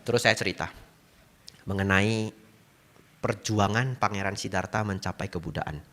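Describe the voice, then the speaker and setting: A Buddhist monk from Medan, Indonesia, delivers a sermon in a fairly low voice at normal speed. He's an animated storyteller who acts out the voices in his tale and laughs often.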